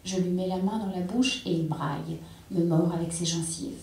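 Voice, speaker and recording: A woman reads a literary text aloud in an intense, measured way, her voice low and dark. She is heard from a distance on a theatre stage, and the room gives a strong, ringing echo. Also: gravelly. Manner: intense, measured dramatic reading. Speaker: reader. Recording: echoey hall, distant mic.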